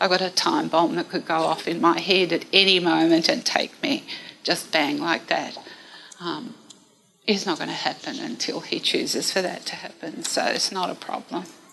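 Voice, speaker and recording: With an Australian accent, a woman talks at a moderate pace in a fairly low voice. Her pitch swings very widely, and there is noticeable background noise. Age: 70s. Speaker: churchgoer giving testimony. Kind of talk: testimony. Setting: church.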